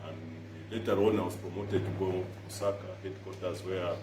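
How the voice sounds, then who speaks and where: A middle-aged man from Zambia answers questions on a radio program in a measured way, restarting his phrases with repeated words. His voice is low, and it sounds distant and roomy, with a loud air-conditioner hum underneath. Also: steady tone. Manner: measured, repeats words when starting a thought. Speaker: council chairperson, guest. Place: radio studio.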